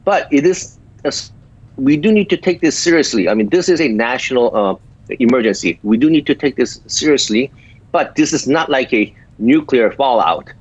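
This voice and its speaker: A middle-pitched man in his fifties with a light Korean accent, explaining medical matters in a measured way, often pausing on "uh" between phrases. The audio is a bit dull and lo-fi. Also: lively intonation, slightly rough. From South Korea. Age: 50s. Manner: explanatory, many hesitant uh fillers. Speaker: guest physician. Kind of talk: interview answers.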